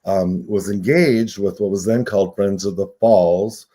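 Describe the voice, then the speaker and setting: Earnest sixty-five-year-old man, mellow low voice. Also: fairly even intonation, measured pace. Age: 60s. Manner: reflective, earnest, uses "right?" often. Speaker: nonprofit CEO, guest. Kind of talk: casual radio interview.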